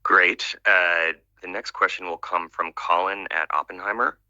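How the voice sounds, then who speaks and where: Very low-voiced male call moderator. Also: fairly even intonation, a little slow, pushed and bright, no echo. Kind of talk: polite procedural announcements. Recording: dull lo-fi conference call audio.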